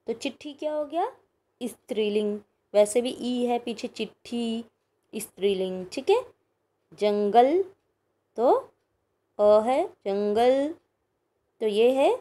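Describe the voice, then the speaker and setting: A woman with a slightly high voice and dark tone gives a recorded grammar lesson to young pupils. As a school teacher, she is patient, explains step by step, and asks frequent checking questions.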